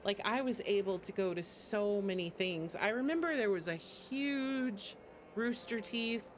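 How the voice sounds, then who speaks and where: A woman's voice: medium pitch, unhurried, slight background noise. A woman game streamer with a rambling, giggly manner, chatting casually over gameplay.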